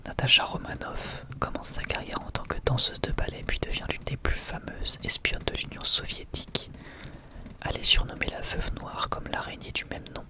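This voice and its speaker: An ASMR host whispers softly, as if in a library, the whole way through. The commentary on books is casual and unhurried, drifting into musing asides.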